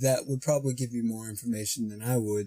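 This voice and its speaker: The man's voice sits at a medium pitch. It is somewhat breathy, with a dark, mellow tone. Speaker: aspiring voice actor. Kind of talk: casual web show talk to camera. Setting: home recording, poor microphone. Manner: hesitant, with many pauses and filler sounds.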